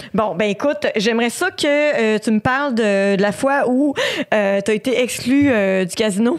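A woman speaks with a Quebec accent and a fairly high pitch. Her pace is fairly slow and her intonation lively. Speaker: podcast host and dating app founder. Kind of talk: casual chat.

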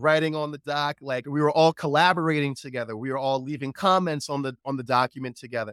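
Fairly quick and energetic, a man with an American accent speaks in a bright, sharp, animated tone at a fairly high pitch, the very clean recording dry and close with no echo and a silent background. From New York. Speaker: teacher and edtech company guest. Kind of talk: casual interview chat. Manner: energetic, animated; loud, excited.

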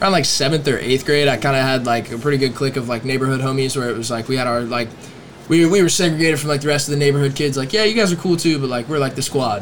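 Against noticeable background noise, a man with a fairly high pitch talks very fast with ordinary pitch variation. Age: 20s. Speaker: skateboarder. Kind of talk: casual chat.

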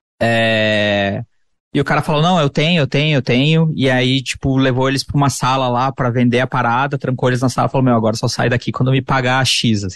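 This man has an ordinary speaking voice at medium pitch, with fairly even intonation and very even loudness. He talks at a fairly quick pace against a quiet background, with a dry, close sound and no echo. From Rio Grande do Sul interior (Erechim), Brazil. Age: 30s. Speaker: documentary filmmaker. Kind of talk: casual interview.

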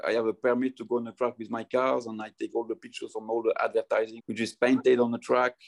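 Speaking at a very fast pace with big swings in loudness, a man with a French accent comes through in a dry, close sound with no echo. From French-speaking Switzerland. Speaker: motorsport photographer. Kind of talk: interview. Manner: halting.

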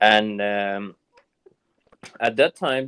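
A man with a Kurdish accent speaks at a very slow pace in a fairly low pitch, his intonation fairly even. The sound is dry and close, with no echo. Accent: Kurdish-accented English, Badini. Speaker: artist and art teacher. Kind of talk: casual interview chat. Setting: video call from Washington DC.

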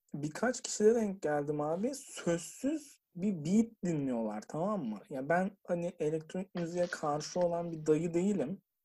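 A woman with a dark, mellow tone and fairly low pitch talks with hardly any pauses, her pitch swinging very widely, on a very clean recording with a silent background. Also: fairly slow pace. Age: young. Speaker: podcast host. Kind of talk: casual chat.

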